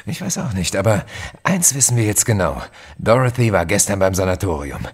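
An actor playing a tough, determined demon hunter in a horror audio drama, terse and dryly sardonic. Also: male voice, on the low side, very animated, a little fast, slightly rough, exaggerated voice. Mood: urgent.

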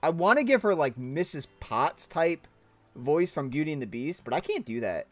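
Chatty gamer man, lively voice. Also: on the high side, moderate pace, dry recording, faint music behind. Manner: chatty, self-mocking asides. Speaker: let's play gamer. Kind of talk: casual gameplay commentary.

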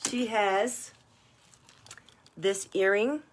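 A woman hosts a live-stream jewelry sale, talking casually and gushing over the colors and styles of every piece. Her voice sits at an ordinary middle pitch. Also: steady tone, drawn-out words. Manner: chatty and gushing, praising each piece. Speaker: jewelry seller hosting a live online party. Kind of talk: live-stream sales chat.

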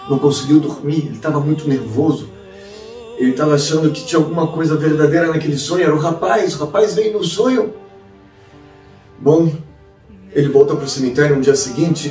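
Brief: animated Brazilian rabbi storyteller, recorded from a distance with faint music. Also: male voice, a little high, echoey room. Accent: Brazilian Portuguese. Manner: animated, rhetorical questions. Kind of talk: dramatic storytelling. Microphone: distant mic.

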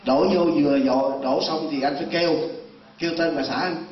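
A man voicing a clingy young woman ghost who speaks in a hushed, coaxing way, captured in a roomy, distant, dull recording. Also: on the high side, steady tone, normal speed, a little hiss or hum, close to an everyday voice.

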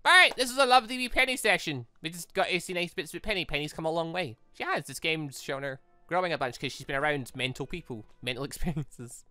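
Male gaming host, very animated delivery, off-the-cuff rambling, close dry sound over light music. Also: fairly high pitch, fast, hardly any pauses, no echo. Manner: rambling, thinking aloud; animated, expressive. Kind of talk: casual playthrough commentary. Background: background music.

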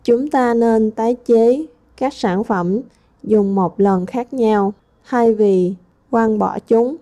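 A woman's voice: on the high side, slow pace, mellow. A woman English teacher going through a textbook review, reading each word aloud and then translating it. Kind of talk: textbook lesson walkthrough.

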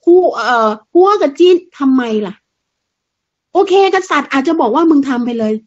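A woman's voice: high voice, animated, moderate pace. A woman giving a fiery, blunt political monologue, crude and mocking, full of rhetorical questions. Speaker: political commentator. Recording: dull lo-fi sound.

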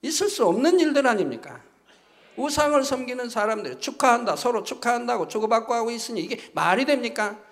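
A pastor delivering a sermon, his voice pitched high for a man. He preaches emphatically, hammering each point home with repeated tag phrases. The sound rings with the long reverb of a church sanctuary. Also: very animated, brisk, a bit bright.

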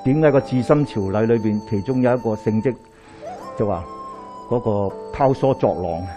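A middle-aged Daoist priest with a Hong Kong Cantonese accent lectures in a small hall, speaking into a handheld mic. His voice is mellow, and he keeps throwing rhetorical questions to the room as he tells his stories. Faint music plays behind him. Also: on the low side, normal speed. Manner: animated storytelling with rhetorical questions, pacing while gesturing. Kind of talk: lecture to a live audience. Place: small lecture hall indoors, in front of a screen.

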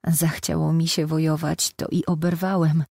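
A brave, wounded young soldier in an audiobook, read by a woman who gives him a gravelly, husky voice. He jokes lightly about his injury and presses his points with quiet insistence. The sound is close and dry. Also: sits low, flat delivery, moderate pace, dry recording, pitched above the performer's own voice. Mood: joking proud. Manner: joking, then earnest and insistent. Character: wounded young male soldier, cheerful and proud.

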